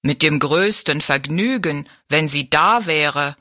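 Lady doing a polite dignified giant guy from a storybook, stretches his words out, bright clear-cut tone. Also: deep voice, no echo, studio quality, voice pushed down, heavily acted. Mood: dignified, courteous. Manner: stately, formal, drawn-out delivery. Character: dignified, courteous, slow-spoken giant man of a fairground show. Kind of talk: storybook narration.

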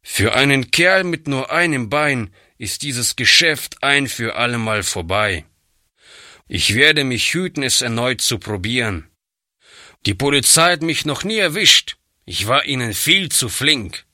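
A man's voice: mid-range voice, expressive, measured pace, pushed and bright, dry recording, studio quality. A man reading a storybook aloud, voicing a surly, defiant one-legged boy who grumbles bitterly. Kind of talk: audiobook reading.

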